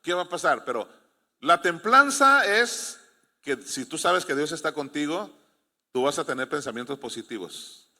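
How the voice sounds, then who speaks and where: A man's voice: on the high side, animated, unhurried, sharp tone. A man with a Mexican accent, a pastor preaching a sermon and telling stories as he asks the congregation to respond. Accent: Mexican Spanish. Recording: long hall reverb.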